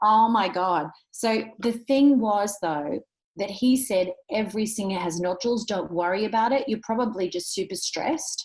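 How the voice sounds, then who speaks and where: A woman's fairly high voice with ordinary pitch variation, at a moderate pace. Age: 50s. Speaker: voice coach and performer. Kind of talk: interview. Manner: animated.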